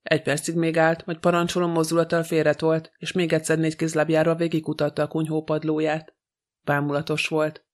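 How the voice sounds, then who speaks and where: A man narrating a detective novel as an audiobook, reading in an even, steady way. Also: on the high side.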